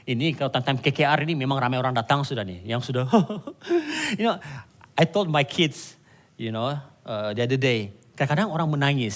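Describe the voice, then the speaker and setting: A man preaching a sermon, animated and conversational, with asides to the congregation. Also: mid-range voice. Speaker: pastor. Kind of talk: sermon mixing Malay and English.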